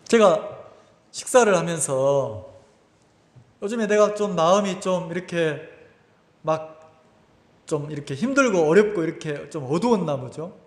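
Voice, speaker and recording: A man's voice: fairly high pitch, lively intonation, unhurried, pauses often. A male pastor preaching a sermon and putting rhetorical questions to his congregation. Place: church sanctuary. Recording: echoey church hall with long reverb.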